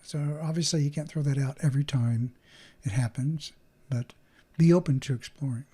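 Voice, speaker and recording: Guy doing a solo mindfulness podcast, earnest and animated, acts out little back-and-forth dialogues. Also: medium pitch, moderate pace, slightly rough. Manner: earnest, coaching tone. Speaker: podcast host.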